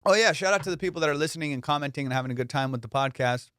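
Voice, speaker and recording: A man's voice: on the high side, rapid-fire, fairly bright tone. A male comedian hosting a podcast in casual, slangy, profane chat with a teasing comic manner, recorded close.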